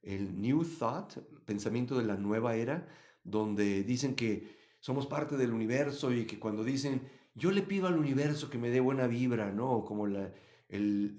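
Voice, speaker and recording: A man from Mexico, teaching a live Bible study and answering chat comments, swinging between loud emphasis and quiet asides. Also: mid-range voice.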